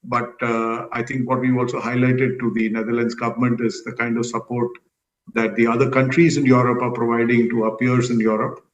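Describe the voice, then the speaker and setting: Male executive, mid pitch, diplomatic explainer, roomy echoing conference call sound. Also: level tone, brisk, dull audio, slight background noise. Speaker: company executive. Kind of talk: answering questions on an earnings call.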